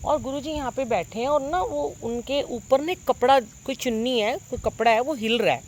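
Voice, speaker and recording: A woman's voice: sits high, darkish tone, slight background noise. Earnest middle-aged woman telling a dream. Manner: earnest, wonder-struck, pauses with many fillers. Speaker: devotee sharing a dream with a congregation. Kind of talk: devotional storytelling. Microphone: phone propped nearby.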